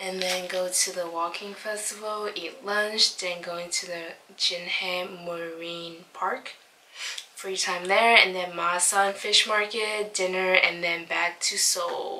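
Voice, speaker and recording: Her pace is very slow. The woman's intonation is monotone and flat. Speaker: travel vlogger. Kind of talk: casual vlog chat. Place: home room. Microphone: phone near.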